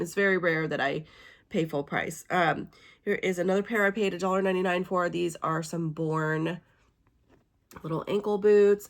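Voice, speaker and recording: Hoarse, raspy woman chatting casually. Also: lowish voice, fairly bright tone. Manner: chatty, with fillers and small laughs. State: hoarse from illness. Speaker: vlogger showing a thrift haul. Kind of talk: casual chat.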